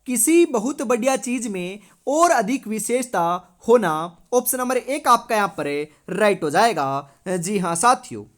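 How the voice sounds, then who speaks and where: A woman from India leads an exam-prep lesson in a fairly high voice. She reads each question and its options aloud. She confirms every answer with the same stock phrases. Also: lively intonation, unhurried, hardly any pauses. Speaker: teacher.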